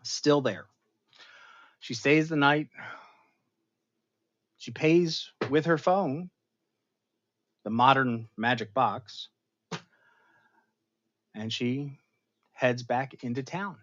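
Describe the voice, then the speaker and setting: A chatty male host tells the story of an episode to his chat, animated and prone to dramatic bursts. His voice sits mid-range, and the recording sounds somewhat dull and lo-fi. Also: mid-range voice, extremely slow, pauses often. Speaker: show host reviewing an episode. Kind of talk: casual recap to a live chat.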